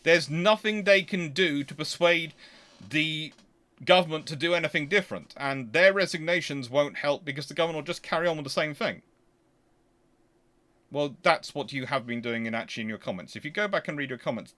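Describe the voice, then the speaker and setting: A man's voice: a little high, a little fast, bright, forceful tone. A man hosting a casual question-and-answer stream, talking in an emphatic, argumentative, conversational way. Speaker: host answering viewer questions.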